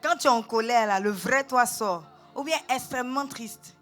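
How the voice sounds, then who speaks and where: Woman pastor with a Gabonese French accent, high-pitched, animated and dramatic, soft music underneath. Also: moderate pace. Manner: animated, acts out quotes, switches between calm and shouting. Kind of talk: sermon with personal storytelling. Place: church.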